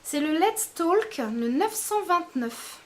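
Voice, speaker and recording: Chatty high-voiced woman reviewing polish. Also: big pitch swings, slow. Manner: chatty, hesitant, many fillers. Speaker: beauty vlogger. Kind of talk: casual product review.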